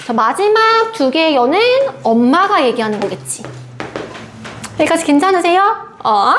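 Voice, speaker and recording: Animated high-pitched woman teacher. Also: normal speed, a little hiss or hum. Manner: animated, acts out quoted lines. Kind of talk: classroom lecture.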